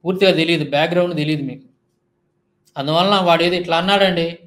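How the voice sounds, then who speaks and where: A man's voice: fairly high pitch, fairly even intonation, quick pace, fairly bright tone. A man giving a heated monologue rebuttal, firing off indignant rhetorical questions. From India. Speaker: Christian YouTube commentator.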